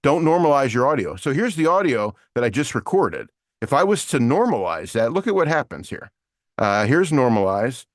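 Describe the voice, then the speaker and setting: A man's voice: mid-range voice, sing-song, moderate pace, no echo, clean studio sound. A man teaching an online voiceover lesson with screen share, explaining in a casual way with many fillers. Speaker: voiceover coach.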